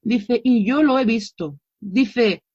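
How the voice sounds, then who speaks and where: Woman slowly explaining a religious lesson, stops and restarts a lot, muffled dry recording. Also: on the high side, a little mellow, no room sound. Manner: halting, many restarts and self-corrections. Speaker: religious teacher relaying a lecture. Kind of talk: informal Islamic study lesson.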